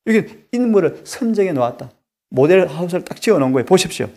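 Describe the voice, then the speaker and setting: Male pastor preaching, kinda high voice with lots of gravel, keeps firing questions at the crowd, loud then suddenly quiet. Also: animated, fast. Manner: emphatic, peppered with rhetorical questions to the congregation; swings between loud stressed lines and hushed asides. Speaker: pastor and Bible study director. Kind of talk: sermon.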